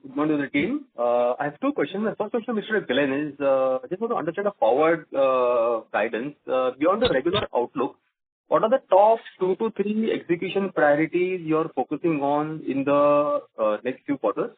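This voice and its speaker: A man's voice: fairly high pitch, lively intonation, normal speed. A man calling in to an earnings call, asking formal prepared questions in a polite, methodical way. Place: conference call. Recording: narrowband phone line.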